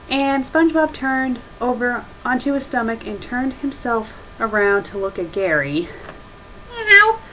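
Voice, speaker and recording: Blunt woman, noisy webcam recording. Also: medium pitch. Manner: blunt, nitpicking, mildly profane. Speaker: web show host and critic. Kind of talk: casual webcam reading with critical asides. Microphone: webcam microphone. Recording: noisy webcam microphone with ambient hiss.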